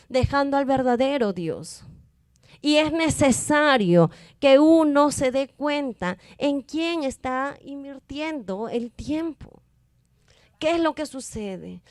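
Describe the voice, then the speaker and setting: A woman's voice: high-pitched, no room sound, clean studio sound. A woman preaching a testimony sermon, emphatic and full of repeated rhetorical questions.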